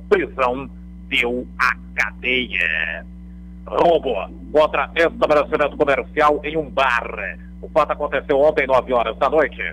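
Radio crime reporter, middle-aged man, husky, chatty bulletin delivery. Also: mid-range voice, a bit bright, rough recording. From Brazil. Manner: conversational newsreading with fillers and tag questions. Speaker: police beat reporter. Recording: radio broadcast audio.

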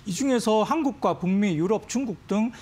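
A man in his thirties, a stock market analyst giving rapid commentary in a TV studio, with many fillers. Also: high-pitched, expressive, darkish tone, breathy edge. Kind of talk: market commentary on TV finance show. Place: TV news studio.

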